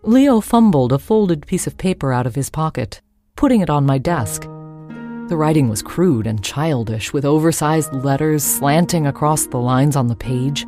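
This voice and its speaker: A woman's voice: low voice, animated, normal speed, warm tone, faint music behind. A woman reading a first-person ghost story as its narrator.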